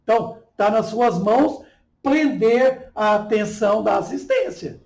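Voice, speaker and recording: Male instructor, gravelly and slow, deliberate lecture delivery with frequent check-ins. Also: high voice, lively intonation, darkish tone, roomy sound, low-quality recording. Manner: slow, deliberate, tag questions like "tá?" and "certo?". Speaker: public speaking teacher. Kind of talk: online lecture.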